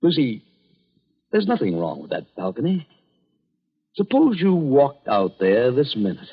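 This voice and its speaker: Vintage radio drama: exasperated, protective young husband, husky, swooping delivery, muffled recording. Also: male voice, medium pitch, wildly swooping pitch, a little slow, full character voice. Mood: anxious, reassuring. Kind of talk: old-time radio drama acting.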